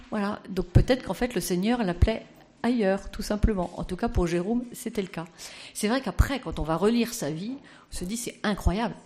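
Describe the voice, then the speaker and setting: A woman's voice: medium pitch, a little mellow. A woman giving an anecdotal conference talk as postulator of a sainthood cause, chatty and full of fillers.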